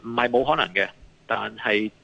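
A man's voice: on the low side, fairly even intonation, moderate pace, gravelly, bright, forceful tone, no echo, lo-fi sound. A man with a Hong Kong accent giving live market commentary as a guest analyst, hesitating, repeating phrases and mixing in English terms.

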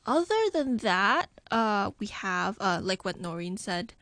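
A woman's voice: mid-range voice, sing-song, unhurried, a bit bright, no room sound. A woman from Hong Kong, a regular guest on a radio show, cheerfully explaining local food. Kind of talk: casual radio chat. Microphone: studio microphone.

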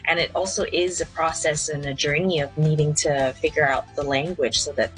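A woman's voice: deep voice, steady tone, a little fast, faint music behind, rough recording. A woman interviewing a guest, asking questions in an encouraging, conversational way.

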